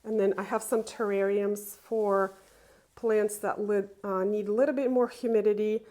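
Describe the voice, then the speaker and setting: A woman chatting casually through a tour of her indoor plant room, unhurried and enthusiastic, with small laughs and fillers. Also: mid-range voice, steady tone, warm tone. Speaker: plant vlogger.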